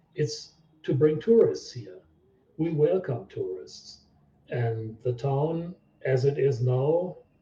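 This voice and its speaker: Speaking at a very slow pace with long, frequent pauses, a man with a fairly high pitch has a somewhat breathy voice and a dark, mellow tone. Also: lively intonation. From Germany. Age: 60s. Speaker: area researcher and website owner. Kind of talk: interview.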